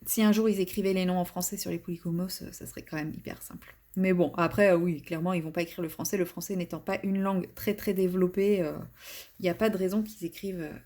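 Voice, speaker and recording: This coloring channel host has a fairly low, mellow voice. She rambles casually while coloring, poking fun at herself and leaning on fillers and restarts.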